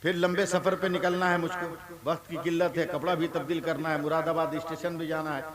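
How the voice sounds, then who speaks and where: A man from India preaching a religious sermon to a gathering, swinging from fervent shouts to quiet asides, with rhythmic repeated refrains. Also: on the high side, flat delivery, brisk. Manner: rises to fervent shouting, then drops to soft conversational asides. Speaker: Islamic preacher. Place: outdoor religious conference stage. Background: crowd at a large religious gathering.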